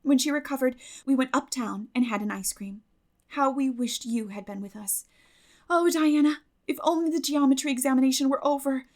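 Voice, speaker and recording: A woman's voice: sits high, moderate pace, pitched above the performer's own voice, close to an everyday voice. A woman voicing an earnest, dramatic, talkative teenage storybook heroine in a gushing, emphatic way. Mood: anxious, dramatic.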